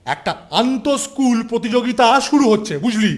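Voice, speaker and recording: A man's voice: very high voice, expressive, brisk. A man voicing a strict, commanding schoolteacher in a children's cartoon, speaking in a stern, emphatic way. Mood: brisk, instructing. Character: strict, commanding adult male school teacher. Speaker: cartoon voice actor. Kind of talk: Bengali children's cartoon dialogue.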